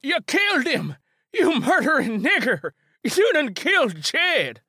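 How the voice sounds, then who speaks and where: A man voicing a hostile, hysterical old white man who shrieks and yells in an audiobook. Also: sing-song, unhurried, breathy edge, no echo, clean studio sound, heavily acted. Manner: shrill, yelling.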